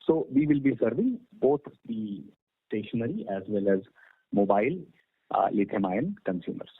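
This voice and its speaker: A man, a company executive giving measured, halting and formal answers to analysts on an earnings call. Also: fairly low pitch, very animated, vocal fry, husky. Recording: narrow tinny phone line.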